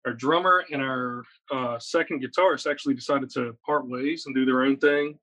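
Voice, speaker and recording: A man's voice: mid-range voice, moderate pace. Guy in his 30s from virginia, rambly and upbeat, keeps saying like and right. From Virginia, USA. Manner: energetic, rambling, lots of "like" and "right?". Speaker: guest, metal guitarist. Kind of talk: casual interview chat.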